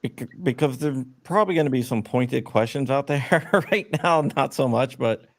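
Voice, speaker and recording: A man hosting a casual livestream interview, relaxed, reading out viewer questions. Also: medium pitch, moderate pace. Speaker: host.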